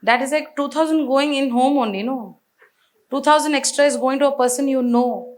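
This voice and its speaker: Energetic Indian woman addressing an audience. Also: high voice, moderate pace. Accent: Indian English. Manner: energetic, asks the audience questions. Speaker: business speaker. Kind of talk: live seminar talk to an audience. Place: seminar hall with audience.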